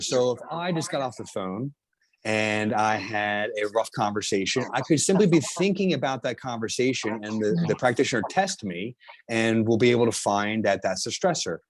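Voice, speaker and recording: A middle-aged man with a South Jersey accent, a chiropractor explaining his healing technique in an interview, halting and restarting as he talks. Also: mid-range voice. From New Jersey. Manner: halting, with frequent restarts and fillers. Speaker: chiropractor and healer, guest.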